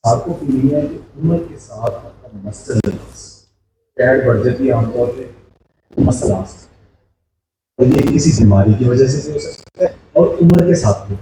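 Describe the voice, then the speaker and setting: Very echoey distant recording, faint noise, mellow man in his sixties, Pakistani accent, explanatory health talk. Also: mid-range voice, expressive, measured pace. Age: 60s. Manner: explanatory, poses questions, mixes in English terms. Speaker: health educator.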